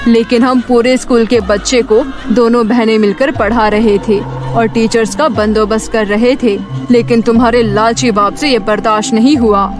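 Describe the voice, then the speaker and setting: A woman's voice: fairly high pitch, lightly acted. A woman playing a vengeful ghost schoolteacher in a horror cartoon, with menacing declarations. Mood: bitter, accusing. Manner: menacing, slow declarations, repeated demands. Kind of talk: dramatic horror cartoon voice acting.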